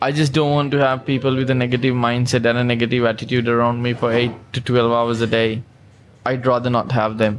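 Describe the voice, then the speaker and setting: The man's voice sits at a medium pitch and moves at a fairly quick pace. His intonation stays monotone and flat. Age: 30s. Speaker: chef and restaurant owner. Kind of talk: interview. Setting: restaurant with background noise.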